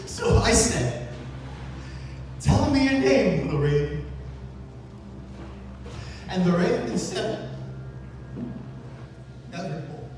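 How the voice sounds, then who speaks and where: Echoey, high-voiced man in slow theatrical recitation. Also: darkish tone. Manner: haunted, halting, dramatic pauses. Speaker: stage performer reciting at a live event. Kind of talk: dramatic theatrical recitation of gothic poetry. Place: indoor live event venue, recorded from the audience. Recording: echoey hall, distant mic, noisy room.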